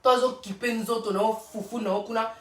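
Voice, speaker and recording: Lady ranting hard, keeps repeating her questions, kinda high voice, echoey room. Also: steady tone, a little fast. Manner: emphatic, fiery, repeats rhetorical questions. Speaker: vlogger. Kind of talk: casual monologue rant. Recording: roomy sound from a distant mic.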